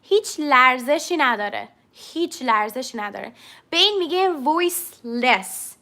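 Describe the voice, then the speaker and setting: Bright high-voiced woman teaching English. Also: animated. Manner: explains step by step and demonstrates sounds; answers viewers' chat questions. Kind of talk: live-streamed language lesson.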